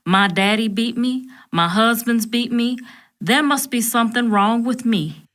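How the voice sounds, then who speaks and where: Lady doing a teary singer, slow drawl, mid-pitched voice. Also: fairly bright tone, natural voice. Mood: sorrowful. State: tearful. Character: hurting woman singer, abused, fragile.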